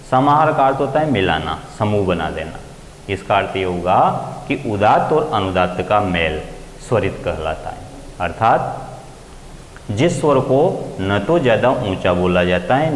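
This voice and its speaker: A male grammar teacher lecturing step by step, lifting his voice on key terms. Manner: explains step by step, raising pitch to stress key terms. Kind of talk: classroom lecture. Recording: echoey room with long reverb, faint ambient noise.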